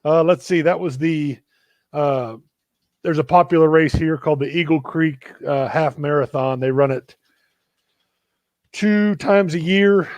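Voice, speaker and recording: A man hosting a live video chat, telling a story in a relaxed, self-deprecating way. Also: fairly high pitch, a little slow, pauses often, dry recording. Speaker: running coach and show host.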